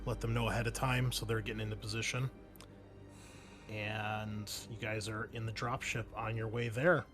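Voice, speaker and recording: A man's voice: lowish voice, little pitch movement, moderate pace, music in the background. Male game master talking through a scene. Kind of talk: improvised tabletop game narration and chat.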